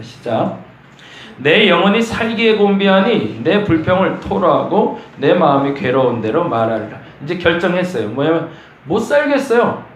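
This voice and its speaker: A male pastor giving an early morning sermon, his voice rising and falling with lively swings. He sits a little high for a man, and the church room around him rings with echo under a faint hum. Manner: lively, acts out complaining prayers in a raised voice. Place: church sanctuary.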